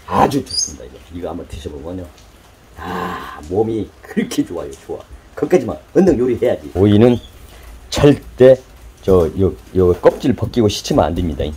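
A man's voice: low-pitched, dark tone, a little hiss or hum. Folksy chuckling middle-aged man. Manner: folksy, chatty, repeats "like this" constantly, chuckles often. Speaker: host. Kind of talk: casual how-to talk on gardening and cooking. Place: home kitchen, earlier a vegetable field.

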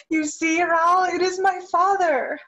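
A woman's voice: very high-pitched, steady tone, slow pace, a bit bright, dull audio, exaggerated voice. A young woman acting an earnest, grieving young soprano devoted to her father in a dramatic play reading. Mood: elated, pleading. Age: young adult. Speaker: actress in a virtual staged reading. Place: indoor room, video call. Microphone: video call microphone.

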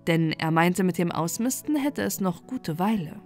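Calm woman reading a bedtime fairy tale. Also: lowish voice, normal speed, faint music behind. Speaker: storyteller.

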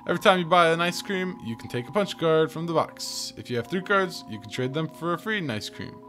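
A hapless but hopeful animal ice cream seller from a video game, voiced by a man, earnest in his pitch. His voice is bright and often lifted, over game music. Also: lively intonation, fairly quick.

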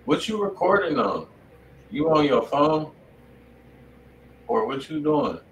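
A man's voice: a little high, very animated, takes it slowly. A man hosting a live music review stream from a home studio, talking in loose, slangy, casual chat. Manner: laid-back street slang, loose and conversational. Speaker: radio stream host reviewing submitted music. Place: home studio room at a desk. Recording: roomy and distant with faint noise.

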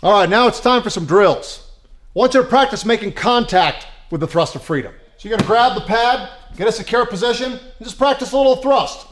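A man in his forties, a martial arts instructor, talking in a pompous, self-serious deadpan in a large indoor dojo. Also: high-pitched, brisk, slight background noise. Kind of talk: deadpan mockumentary comedy.

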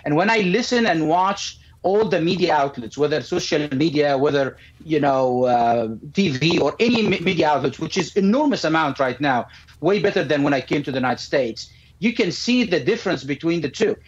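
A man's voice: on the high side, animated, normal speed, a little hiss or hum. A middle-aged man with an Arabic accent, a guest speaking earnestly over a video call from a home room, often repeating words as he starts phrases. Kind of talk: earnest commentary. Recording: muffled video call audio.

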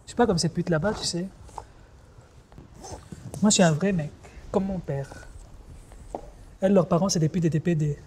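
A man's voice: high-pitched, moderate pace, pauses often, a little mellow, a little hiss or hum, lightly acted. An actor playing a proud, blunt Algerian trans woman who works the street, in a scene from an ethnofiction film. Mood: defiant. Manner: defiant, blunt street talk.

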